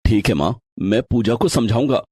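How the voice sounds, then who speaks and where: A caring, gentle young husband, voiced by a man for a cartoon. The voice is husky and sits in a middle pitch. It is recorded close and dry. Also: normal speed, no room sound, natural voice. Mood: concerned. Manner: gentle, concerned.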